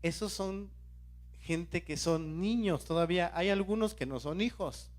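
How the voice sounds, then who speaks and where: A man's voice: sits high, unhurried. A man preaching a sermon as a lay preacher, who questions his congregation and keeps calling out to them. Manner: questions the congregation and urges them to stay alert.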